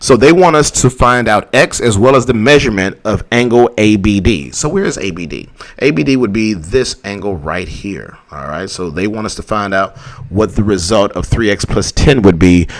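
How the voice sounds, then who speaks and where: Fairly low in pitch, a man with a Southern US accent talks at a moderate pace in an animated tone with lively intonation. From Texas, Houston. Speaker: math tutor. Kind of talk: live-stream lecture. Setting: live stream.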